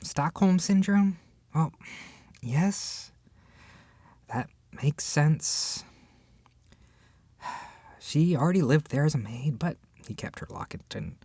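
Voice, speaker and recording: A voice actor playing an irritated book club member ranting in a one-sided roleplay, exasperated and sarcastic with dramatic pauses. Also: medium pitch, lively intonation, dark tone, husky, no echo, exaggerated voice. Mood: bitter, grudging.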